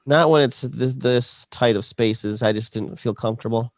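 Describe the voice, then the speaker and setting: A man's voice: medium pitch, normal speed, no room sound, studio quality. A man co-hosting a podcast, telling a long, rambling story in casual chat, full of fillers and restarts. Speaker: podcast co-host.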